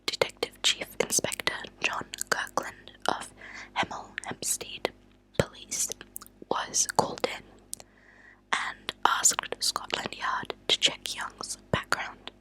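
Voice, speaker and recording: A woman speaks entirely in a breathy whisper with a bright, crisp edge. She reads in a deliberate, soft ASMR manner, as a host sharing stories. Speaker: ASMR host reading true crime stories aloud. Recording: lo-fi close whispered ASMR recording.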